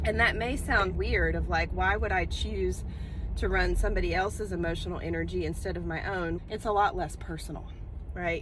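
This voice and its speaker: A woman with a head cold and a slightly nasal voice, chatting casually about spiritual topics from inside a car, rambling gently with frequent ums. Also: fairly low pitch, low-quality recording. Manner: relaxed, rambling, with frequent ums and soft trailing phrases. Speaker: spiritual teacher hosting her channel. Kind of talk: casual spiritual talk to camera. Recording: loud car and street noise behind.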